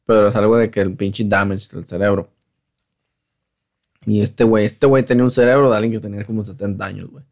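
A man's voice: lowish voice, steady tone, quick pace, darkish tone. A man in casual conversation, using slangy, profane Spanish with bits of English.

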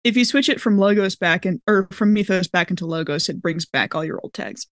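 A woman playing a tabletop roleplaying game, chatting casually and expressively as she thinks her moves out loud. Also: fairly low pitch, brisk, dry recording, clean studio sound. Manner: expressive, exclaiming, thinks aloud.

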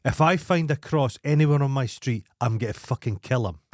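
A man's voice: medium pitch, wildly swooping pitch, a little slow, no echo, studio quality. A Scottish man co-hosting a podcast in casual comic banter, sweary and indignant as he rants. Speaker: podcast co-host.

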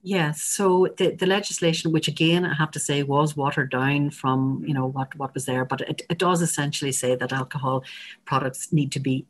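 Husky-voiced Irish woman explaining. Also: low voice, normal speed. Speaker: interview guest, public health advocate. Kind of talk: explanatory interview talk.

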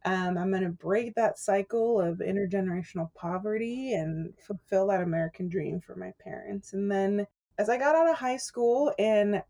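Woman, native spanish speaker, interview guest, chatty, laughs often, mid pitch. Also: normal speed, mellow. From California. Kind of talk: casual interview chat.

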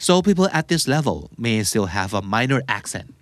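A man's voice: medium pitch, very animated, very slow, dry recording. A man, co-hosting a podcast and casually explaining English terms, dropping English words into his talk.

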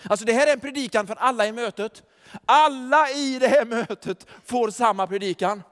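A pastor preaching in a high, light voice that carries through a reverberant church hall. He moves from hushed, chuckling asides to loud, emphatic declarations. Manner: chuckles often while telling. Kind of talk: sermon. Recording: long reverb of a large hall.

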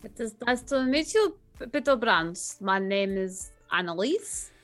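A woman's voice: mid-range voice, sing-song, a little slow, fairly bright tone, soft background music. A woman playing in a tabletop game, speaking casually in character. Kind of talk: casual in-character role-play.

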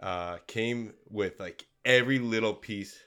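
Man, congested, low voice, rambling casual podcast talk. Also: a little slow, sharp tone, clear, resonant tone. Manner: rambling, many fillers and restarts. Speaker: podcast co-host, maker. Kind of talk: casual chat.

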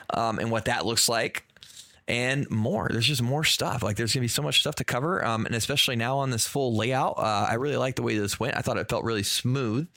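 A man co-hosting a casual gaming podcast, hoarse and losing his voice from being sick, rambling through his points with lots of fillers. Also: medium pitch, a bit bright, dry recording, clean studio sound. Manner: rambling, filler-heavy, says y'all. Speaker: podcast co-host.

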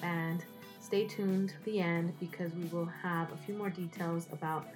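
Earnest low-voiced woman. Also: fairly even intonation, measured pace, music in the background. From Salvadoran heritage. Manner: earnest, heartfelt. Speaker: host, writer and singer. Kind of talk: speaking to camera about a project.

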